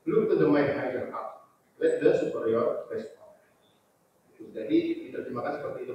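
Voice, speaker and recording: Guy at his doctoral defense, lots of ums, kinda high voice, faint hiss in the room. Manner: measured, hesitant with frequent "eh" fillers. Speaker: doctoral candidate. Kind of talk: formal academic defense answer. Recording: distant, roomy, muffled with faint noise.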